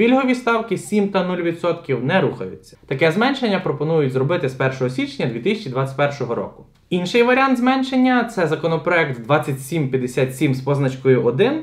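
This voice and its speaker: Over a quiet background, a man speaks at a fairly slow pace with very wide pitch swings. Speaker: lawyer. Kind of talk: explainer commentary. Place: studio.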